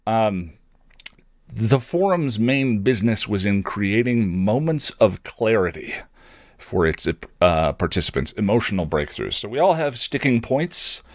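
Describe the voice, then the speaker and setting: Deep voiced guy on a podcast, wry wordy personal story, thinks out loud, very dry close sound. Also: very animated, a little slow, no echo. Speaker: podcast host.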